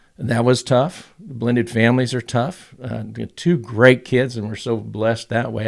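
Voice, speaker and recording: Recorded very cleanly against a silent background, a man with vocal fry talks at a moderate pace with fairly even intonation and hardly any pauses. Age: 60s. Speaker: podcast guest, recovered alcoholic and stepfather. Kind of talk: casual chat.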